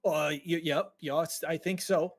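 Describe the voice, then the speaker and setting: A man voicing a timid young dwarf with a high, stammering voice. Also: fairly even intonation, slow. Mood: meek. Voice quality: higher than other dwarves. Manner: hesitant, stammering and apologetic. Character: meek young male dwarf worker, timid and eager. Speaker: game master. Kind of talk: tabletop game role-play.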